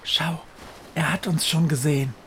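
A man voicing a bold, commanding witch in a storybook reading, raising his voice into a higher register. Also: fairly even intonation, moderate pace, a bit bright, a little hiss or hum, natural voice. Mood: calm. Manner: commanding, calls out over a storm. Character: bold old witch on a broomstick. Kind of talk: storybook voice acting.

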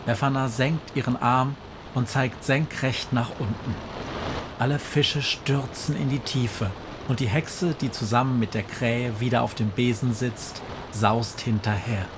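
A man reading a fairy tale aloud in a measured, solemn way that slows down for dramatic moments. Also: mid-range voice, steady tone, background noise. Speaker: narrator. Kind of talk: scripted storybook narration.

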